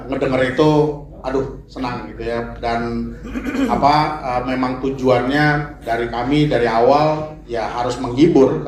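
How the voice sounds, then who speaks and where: Male film guest, mid pitch, halting speech, roomy echo. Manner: hesitant, many fillers. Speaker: film guest at a press conference. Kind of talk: answering press questions. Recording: echoey room.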